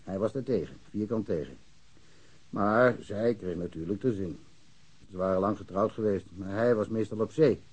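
Husky, chatty village policeman. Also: on the low side, normal speed, a little mellow. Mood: informative, frank. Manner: talkative, colloquial, opinionated. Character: chatty, blunt village policeman, worldly-wise and sure of himself. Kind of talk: naturalistic radio drama dialogue.

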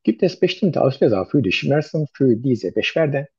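Man as a doctor taking a history; halting and hesitant, husky and dark, dull lo-fi recording. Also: mid-range voice, sing-song, no room sound. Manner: slow, halting, many "äh" and "mhm". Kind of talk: medical exam role-play.

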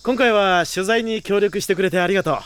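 A flustered polite reporter. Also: male voice, high-pitched, a little fast, fairly bright tone, clear, resonant tone. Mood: friendly. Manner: baffled, exasperated retorts. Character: flustered male reporter, polite, easily rattled. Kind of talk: anime drama CD acting.

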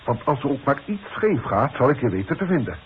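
Irritable, commanding Dutch boss, acted by a man, very animated intonation, pompous and curt, 1960s radio play with faint hiss. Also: mid-range voice, a little fast, natural voice. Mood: threatening. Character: imperious, irritable company boss, impatient and cost-minded. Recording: dull, hissy old radio broadcast recording.

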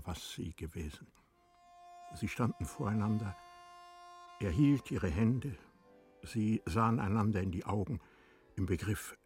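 A man narrating a literary audio drama in a measured, expressive storytelling manner. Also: lowish voice, slightly rough.

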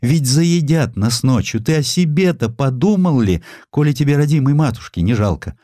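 A male narrator plays an old provincial mother in an audio story, scolding her grown son. The voice is raised in pitch and swings about with exasperation. The speech is folksy and bossy. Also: expressive, normal speed, mellow, dry recording, clean studio sound, lightly acted. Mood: alarmed scolding.

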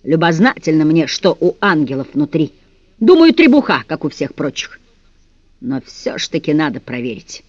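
A gloating young henchman with a mocking, menacing drawl, as a man reading a children's storybook puts him on. The voice sits a little high for a man and comes over a dull, dry studio recording with no room sound. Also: sing-song, moderate pace, dry recording. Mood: gloating menace. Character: cruel boyar's henchman, male, young, gloating.

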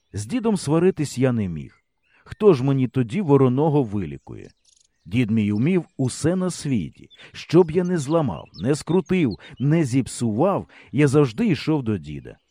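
A man reading an audiobook in an expressive storyteller's way. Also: medium pitch, normal speed. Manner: lively storyteller's delivery. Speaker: audiobook narrator.

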